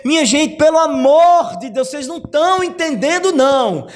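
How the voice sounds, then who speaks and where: A man's voice: very high-pitched, lively intonation, normal speed, voice pushed up. A man voicing an indignant apostle who scolds a quarrelsome church in an exasperated rant.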